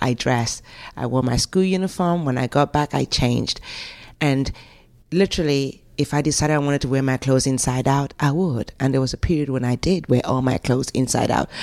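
Very deep and low in pitch, a woman talks at a fairly quick pace with very even loudness and ordinary pitch variation. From born in England, raised in Nigeria. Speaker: singer, dancer and fashion designer. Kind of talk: interview, casual conversational.

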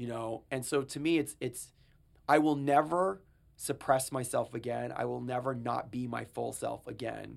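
A man with a normal speaking voice, medium pitch, ordinary pitch variation and a moderate pace, on a very clean recording with a silent background. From Florida (Boca Raton). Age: 40s. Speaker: writer, brand strategist and model. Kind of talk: casual interview chat.

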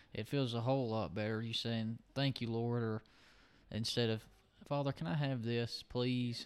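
With a Southern US accent, a medium-pitched man speaks at a moderate pace and with fairly even intonation. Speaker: podcast co-host. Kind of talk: religious discussion.

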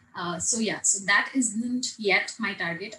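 Fairly even intonation from a woman, noticeable background noise behind her. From India, Delhi. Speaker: lawyer and mediator. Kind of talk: interview conversation. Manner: halting, many fillers.

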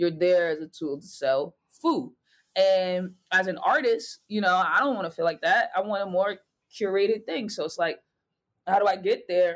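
In a normal speaking voice with an American accent, a woman talks at a moderate pace and medium pitch with ordinary pitch variation. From Boston, Dorchester. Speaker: stand-up comedian and TV comedy writer. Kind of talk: casual interview.

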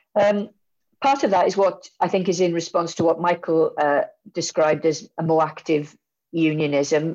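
Speaking at a moderate pace with fairly even intonation, a woman with a very deep, low pitch talks in a Welsh accent. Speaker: professor. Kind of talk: panel discussion. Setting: video call.

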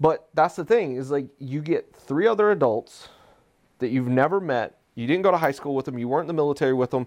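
With an American accent and a normal speaking voice, a man talks at a fairly quick pace in a fairly high pitch with lively intonation over a quiet background. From Texas. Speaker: oilfield drilling engineer. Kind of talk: interview.

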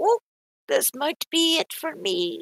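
An extremely high-pitched, put-on character voice. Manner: dramatic.

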